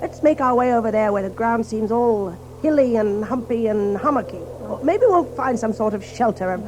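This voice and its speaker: A woman's voice: on the high side, expressive, moderate pace, darkish tone, slight background noise, lightly acted, poor audio. A woman playing a brave, kindly, fussing old male water rat in a children's audio drama, with hesitant, old-fashioned British phrasing. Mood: resigned, practical.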